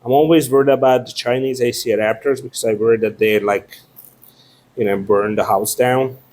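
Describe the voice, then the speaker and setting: A man's voice: mid-range voice, steady tone, brisk, a little mellow, slight background noise. A man chatting casually and unscripted as he unboxes a product, with playful, sweary asides.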